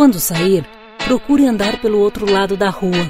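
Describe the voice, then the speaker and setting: A woman speaks at a medium pitch and a fairly slow pace. Music is heard in the background. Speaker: voice actor. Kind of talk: motivational poem reading, voiceover demo.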